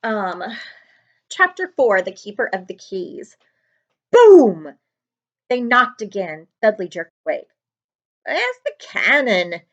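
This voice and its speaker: A woman reading a children's book aloud as a librarian would, in an expressive narrating style. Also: mid-range voice, slow, long pauses, lo-fi sound.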